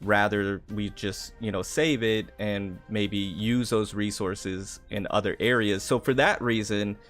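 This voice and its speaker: A man's voice: fairly low pitch, steady tone, a little slow, a bit bright, faint music behind. A man hosting a casual livestream discussion, speaking steadily and agreeably, asking his guest questions. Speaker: livestream host.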